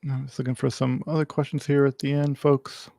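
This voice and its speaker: A man's voice: mid-range voice, level tone, brisk, creaky, mellow, dry recording, clean studio sound. A man hosting a casual livestream Q&A, answering viewer questions in a rambling way with many ums, restarts and wry asides.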